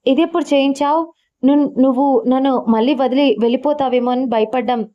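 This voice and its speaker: A woman reading the lines of a joyful young bride in a love story, in a soft, gentle way. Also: high-pitched, fairly even intonation, moderate pace, dull audio, lightly acted.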